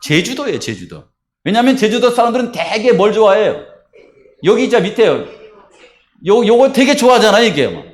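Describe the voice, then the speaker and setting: A man's voice: high voice, big pitch swings, normal speed. A man preaching as pastor at a church baptism service, posing questions to the congregation and answering them himself. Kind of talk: sermon and baptism rite. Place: church sanctuary.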